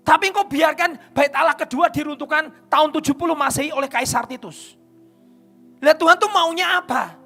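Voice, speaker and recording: A man with a Javanese accent preaching a sermon at a church service. He tells stories, moving between quiet narration and loud, emphatic declarations. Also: very high voice, gravelly. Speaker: pastor. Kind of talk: sermon with storytelling.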